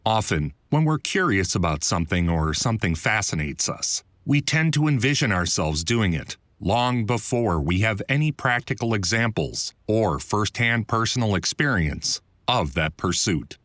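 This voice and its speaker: An author, who also works as a voiceover producer, reads his own nonfiction audiobook from a script, speaking close to a studio voiceover mic in a conversational, wry, articulate style. His voice is fairly low and a bit bright, with a sing-song lilt, a normal pace and hardly any pauses. The recording is dry.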